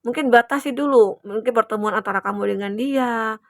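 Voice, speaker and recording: A woman's voice: fairly high pitch, fairly quick, dry recording, clean studio sound. A young adult woman giving a chatty, reassuring collective tarot reading to her viewers, with many fillers. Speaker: tarot reader.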